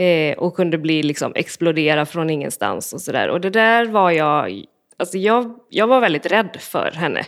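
At a moderate pace, a woman with an unremarkable speaking voice speaks in fairly low pitch with lively intonation. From western Sweden (Borås). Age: 40s. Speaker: recovering alcoholic sharing her story. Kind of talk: personal testimony in interview.

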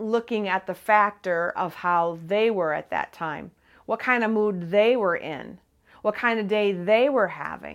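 A woman speaks fairly slowly at a medium pitch with ordinary pitch variation. It is an ordinary speaking voice, recorded very cleanly against a silent background. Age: 50s. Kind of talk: religious teaching. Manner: warm, earnest.

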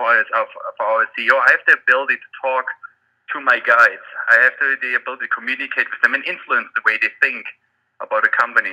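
A man with a German accent talks at a very fast pace, his loudness swinging widely, in a dry, close recording with no echo. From Germany. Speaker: retail marketing executive. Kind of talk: interview. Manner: halting, many fillers and repeated words.

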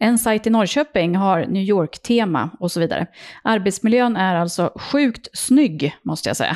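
A woman speaks at a medium pitch and a moderate pace with lively intonation, in an ordinary speaking voice. The recording is very clean, with a silent background. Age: 40s. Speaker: podcast host, former journalist. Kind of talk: casual chat. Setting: podcast studio.

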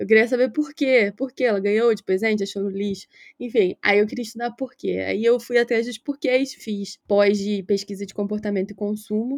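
Using a plain, everyday voice, a woman speaks at a fairly high pitch with hardly any pauses and fairly even intonation, in a dry, close sound with no echo. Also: moderate pace. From Rio de Janeiro, Brazil. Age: 30s. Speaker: market researcher. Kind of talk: casual interview.

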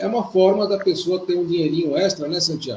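A man talks at a high pitch and a very fast pace. Noticeable background noise runs behind him. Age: 50s. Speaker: HR consultant and speaker. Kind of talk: radio talk show discussion.

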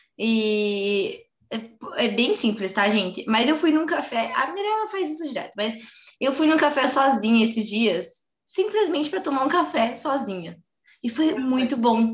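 A woman speaks at a fairly slow pace in a high voice with very wide pitch swings, and audible room echo surrounds her. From Brazil, Paraná (Londrina). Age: 20s. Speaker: podcast co-host. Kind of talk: casual chat.

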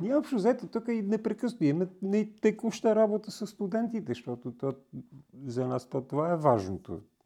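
A man's high, dark and mellow voice swings very widely in pitch at a moderate pace. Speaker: puppet maker. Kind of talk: casual chat. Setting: workshop.

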